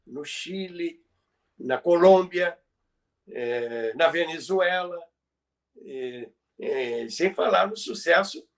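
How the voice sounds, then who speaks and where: A man's voice: a little high, lively intonation, slow. A man with a Brazilian accent co-hosting a conversational podcast, explaining history emphatically and repeating phrases for emphasis. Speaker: podcast co-host. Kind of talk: conversational radio history commentary.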